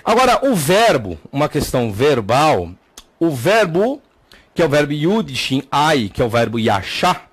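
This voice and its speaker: A man's voice: on the high side, big pitch swings, measured pace, breathy edge. A man with a Brazilian Portuguese accent teaching a theology class, emphatic, repeating key words and pointing things out on a screen. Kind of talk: classroom lecture with slides.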